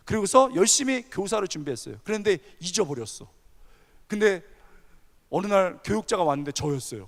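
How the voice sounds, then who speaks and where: High, lively male preacher in a hall. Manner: animated storytelling, asks the audience questions. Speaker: pastor. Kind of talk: sermon. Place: large church hall. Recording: long hall reverb.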